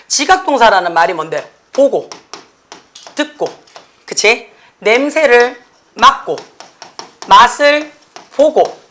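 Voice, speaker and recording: Teacher with tag questions, slightly high. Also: female voice. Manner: lively, tag questions after nearly every sentence, acts out students' replies. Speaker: middle-school English teacher. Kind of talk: classroom lecture. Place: classroom.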